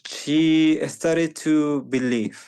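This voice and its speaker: Guest: young Panamanian man, slow and mellow, halting speech full of restarts, second-language speaker. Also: fairly high pitch, steady tone, clean tone. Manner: halting, many restarts and fillers. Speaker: guest, medical missionary. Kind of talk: conversational interview.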